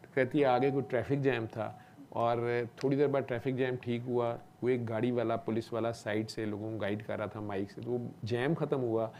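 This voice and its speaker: A man telling a long personal story in a relaxed, conversational way. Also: mid-range voice, a little hiss or hum. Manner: relaxed conversational, often asks "okay?". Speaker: doctor. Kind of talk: casual storytelling talk.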